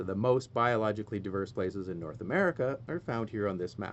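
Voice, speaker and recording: With ordinary pitch variation, a man talks at a fairly quick pace and a fairly low pitch. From Canada, Okanagan Valley, British Columbia. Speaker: online commentator. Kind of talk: explainer monologue.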